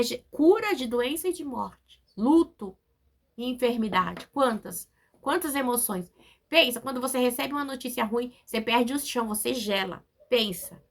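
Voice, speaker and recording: A woman's voice: fairly high pitch, a bit bright. A woman preacher giving a sermon, emphatic and repetitive, often asking her listeners to agree. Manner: emphatic, repetitive, with frequent tag questions.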